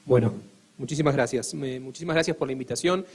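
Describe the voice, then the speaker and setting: A man's voice: mid-range voice, fast talker, slightly rough. A man from Argentina with an Argentine accent, speaking earnestly on a panel, with many hesitations and restarts. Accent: Argentine Spanish. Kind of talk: formal panel talk.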